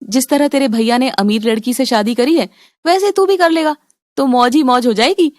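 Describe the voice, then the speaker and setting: A woman's voice: high voice, normal speed, close to an everyday voice. Brief: playful scheming mother-in-law, woman voice, teasing tone.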